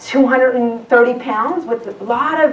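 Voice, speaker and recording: A woman speaks in an animated tone with a high pitch. Audible room echo surrounds her voice. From Hawaii, Honolulu. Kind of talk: sermon. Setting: church with audience. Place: church.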